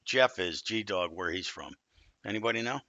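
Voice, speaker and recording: A man's voice: lowish voice, moderate pace, pushed and bright, dry recording, highs cut off. A man chatting casually as a player on a gaming stream. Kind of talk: casual chat.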